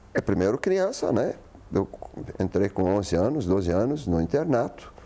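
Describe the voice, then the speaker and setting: Despite noticeable background noise, a man's fairly low voice keeps very even loudness and lively intonation at a moderate pace. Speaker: Lutheran pastor, professor and musician. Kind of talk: interview.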